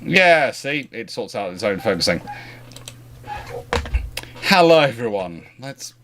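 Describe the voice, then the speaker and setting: A man's voice: mid-range voice, big pitch swings, takes it slowly, noisy background. A man hosting a live stream in a casual, chatty way, often rambling and breaking off mid-sentence. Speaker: livestream host answering naval history questions.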